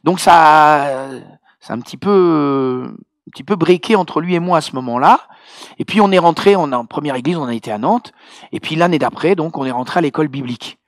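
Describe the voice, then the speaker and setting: A man preaching as pastor, telling a personal testimony in an animated, hesitant way full of fillers. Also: fairly high pitch, a little fast, no echo, clean studio sound. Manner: hesitant, many fillers and restarts, animated storytelling.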